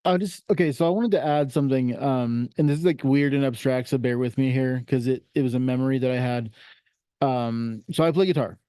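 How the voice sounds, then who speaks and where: A man's voice: medium pitch, a little fast, dark tone, smooth, dry recording. A man on a panel, a guitarist, telling a rambling story and then tying it to his point, with a self-doubting aside at the end. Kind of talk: casual panel discussion.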